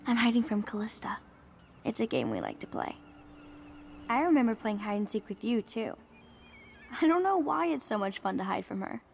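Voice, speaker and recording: An actress playing a playful, sulky young princess in a video game. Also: female voice, on the high side, big pitch swings, normal speed, gravelly, long pauses, darkish tone, in a large hall, slight background noise. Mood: playful, confiding. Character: playful, sulky young girl heir to a throne.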